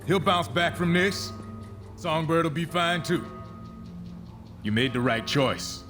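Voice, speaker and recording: A man's voice: fairly high pitch, slow. A man voicing a tough street-level superhero in a game cutscene, blunt and encouraging. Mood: urgent, reassuring. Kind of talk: video game cutscene dialogue. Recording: music behind the voice.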